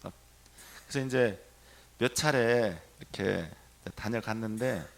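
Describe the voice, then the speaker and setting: A middle-aged man, a Catholic priest, telling a story in a sermon and acting out the quoted dialogue with lively energy. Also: on the low side, slow, vocal fry.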